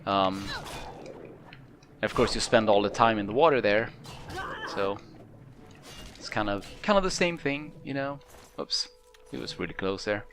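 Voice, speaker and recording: A man's voice: on the low side, expressive, a little slow, long pauses, a bit bright, a little hiss or hum. A man hosting a let's play, talking casually and unscripted in a hesitant, rambling, laid-back way. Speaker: gamer, let's play host. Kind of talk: casual unscripted game commentary. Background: game music.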